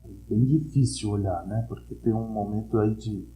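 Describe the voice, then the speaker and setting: A man in his sixties from Brazil with an Italian-influenced São Paulo accent, chatting casually as an interview guest and telling stories in a slangy, animated way. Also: fairly low pitch, normal speed. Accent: Italian-influenced São Paulo Portuguese. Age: 60s. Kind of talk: casual chat. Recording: roomy, echoey sound.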